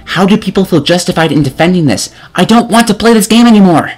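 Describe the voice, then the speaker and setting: A man's voice: sits high, expressive, fast, darkish tone. A man narrating a scripted comedic game review in an exasperated, sarcastic way.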